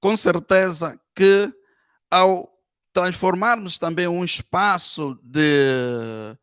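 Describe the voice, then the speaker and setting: A man giving an earnest, measured formal speech at a conference. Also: on the high side, a bit bright, smooth, no room sound, studio quality. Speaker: conference speaker.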